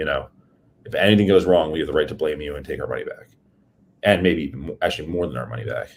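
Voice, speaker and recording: The speaker has a New Jersey accent. He is a man. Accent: New Jersey American. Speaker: mergers and acquisitions lawyer. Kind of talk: podcast interview. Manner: fast.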